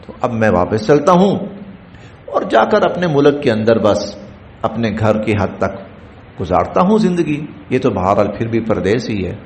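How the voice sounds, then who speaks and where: A man's voice: mid-range voice, very animated. A man from Pakistan teaching a Quran translation and commentary lesson, chanting Arabic phrases and explaining each in Urdu, recorded in a mosque. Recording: echoey mosque room, faint background noise.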